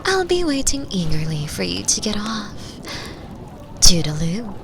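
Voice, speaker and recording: A woman playing a flirtatious, confident mature bar patron in an intimate roleplay, teasing and breathy, often dropping toward a whisper. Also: medium pitch, big pitch swings, noisy background. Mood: teasing, patient. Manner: slow, sultry, breathy, drops into near-whispers. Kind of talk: binaural roleplay audio drama, intimate second-person acting.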